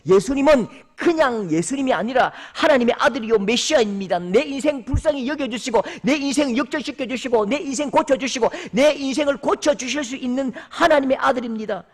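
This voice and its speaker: Pastor, male, very high-pitched, emphatic sermon delivery with dramatic swings. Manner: emphatic preaching, acts out voices and calls out scripture.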